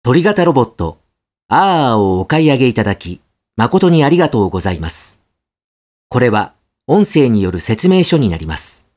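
A young man narrates a scripted product guide. His delivery is polite and carefully articulated, with lively movement in pitch. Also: moderate pace. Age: young adult. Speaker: voice actor, narrator.

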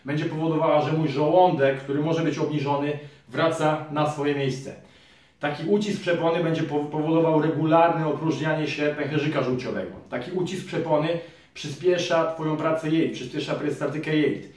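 A man in his thirties, a physiotherapist and trainer, calmly explaining a fitness exercise to viewers, recorded by a camera across a small room. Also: fairly high pitch, fairly quick, recorded from a distance. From Poland. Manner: calm, explanatory, addresses viewers directly. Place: small room in front of a curtain. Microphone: camera mic from across the room. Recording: very echoey room, voice from afar.

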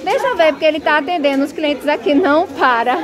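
A chatty northeastern woman with a high voice gushes over bargains as she films an open-air market on her phone. The crowd of shoppers is clearly heard behind her. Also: fast talker. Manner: gushing, chatty, repeats "minha gente". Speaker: shopping vlogger. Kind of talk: excited market walkthrough. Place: outdoor clothing market stalls. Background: busy market crowd.

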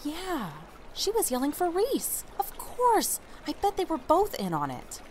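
A woman's voice: extremely high pitch, huge pitch swings, measured pace, slight background noise, full character voice. A woman playing a wary, suspicious, blunt friend in an audio drama, talking casually and sardonically.

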